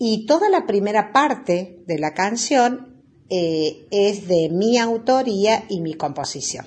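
There is noticeable background noise as a woman speaks at a very slow pace. Her medium pitch moves with lively intonation. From La Rioja, Argentina. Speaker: singer-songwriter. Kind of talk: recorded message introducing a song.

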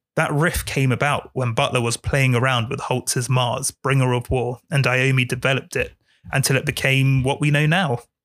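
A man speaks with very even loudness at a moderate pace and medium pitch. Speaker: podcast host. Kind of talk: dramatic narration. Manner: atmospheric, hushed and building; enthusiastic, excitable.

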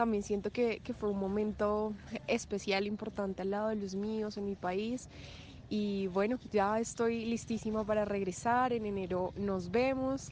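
Her intonation monotone and flat, a woman talks fairly slowly at a fairly high pitch. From Colombia. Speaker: migrant stranded abroad. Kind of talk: recorded testimony.

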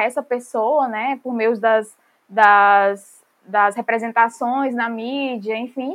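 Speaking at a fairly slow pace in a northeastern Brazilian accent, the voice comes through a very clean recording with a silent background. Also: woman. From Piauí, Brazil. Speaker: podcaster. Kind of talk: casual chat.

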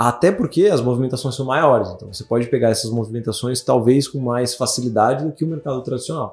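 A man talks at a very fast pace with hardly any pauses, at a medium pitch with ordinary pitch variation. His loudness swings widely, and there is noticeable background noise. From Brazil. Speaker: quantitative fund manager. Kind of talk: podcast interview. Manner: hesitant, many fillers.

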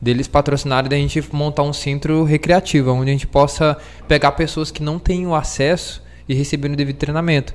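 Talking at a fairly quick pace, a man with a fairly high pitch keeps his intonation monotone and flat. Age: 20s. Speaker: e-sports organization founder. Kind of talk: casual chat.

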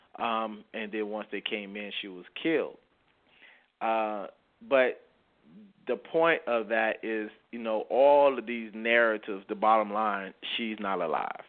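A man of medium pitch talks at a fairly slow pace with fairly even intonation. He takes long, frequent pauses, and his loudness swings a lot. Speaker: co-host. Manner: halting, repeats words.

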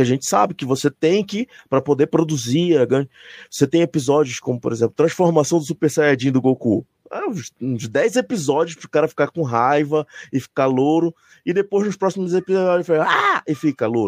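Recorded dry and close with no echo, a man with a normal speaking voice talks at a fairly high pitch and fairly quick pace, with lively intonation. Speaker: teacher and YouTuber. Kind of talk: casual live-stream chat.

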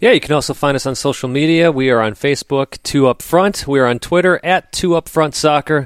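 Speaking in an ordinary speaking voice, a man with a fairly high pitch talks at a fairly quick pace, with hardly any pauses and ordinary pitch variation. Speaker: sports radio co-host. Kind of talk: casual chat.

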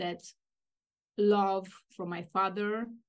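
Speaking very slowly, a woman with a Romanian accent keeps her intonation flat and monotone. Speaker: life coach. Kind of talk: interview.

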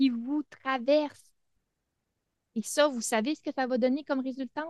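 A woman with a high-pitched, animated voice is heard in a dry, close recording with no echo. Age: 30s. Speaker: podcast host and wellness coach. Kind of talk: personal testimony monologue.

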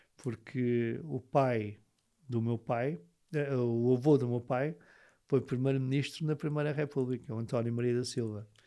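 A man's dark, mellow tone with fairly even intonation, on a very clean recording with a silent background. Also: medium pitch for a man, fairly slow pace. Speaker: interviewee, host's uncle. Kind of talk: casual chat. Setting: studio.

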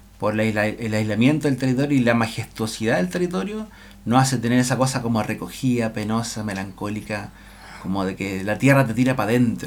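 At a fairly quick pace, a man talks in a medium-pitched voice with ordinary pitch variation. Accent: Chilean. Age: 30s. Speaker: podcast host. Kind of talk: casual chat.

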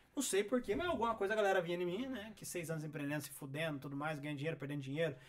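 Over noticeable background noise, a man with a fairly high pitch and lively intonation rushes along at a very fast pace with hardly any pauses. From Minas Gerais, Brazil (small town in the south). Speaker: digital business founder and CEO. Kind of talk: casual podcast interview.

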